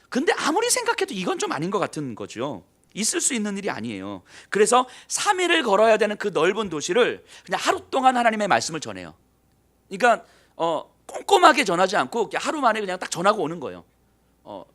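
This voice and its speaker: A male pastor preaching a sermon, retelling a story in an animated, conversational way and asking his congregation questions. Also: high voice.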